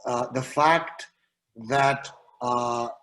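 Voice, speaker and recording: A man from Mexico, speaking English as an on an online panel, earnest and halting with many restarts. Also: medium pitch, steady tone, a bit bright, low-quality recording. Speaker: educator panelist.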